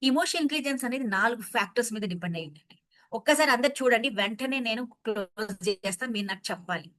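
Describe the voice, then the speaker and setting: A woman's voice: on the high side, animated, fast talker, fairly bright tone, dry recording, rough recording. A woman trainer giving a lecture to a live audience, mixing English phrases into her talk and putting questions to the listeners.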